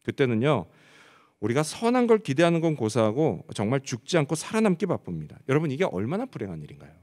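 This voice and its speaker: A man's voice: mid-range voice, huge pitch swings, fast talker, darkish tone. A man preaching a sermon as pastor, asking the congregation rhetorical questions and answering them. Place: church sanctuary. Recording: long church hall reverb.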